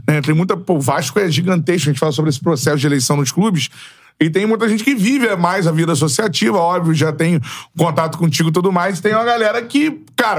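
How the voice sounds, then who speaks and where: A man hosting a podcast interview, casual and upbeat with slangy phrasing. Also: fairly high pitch. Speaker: podcast host.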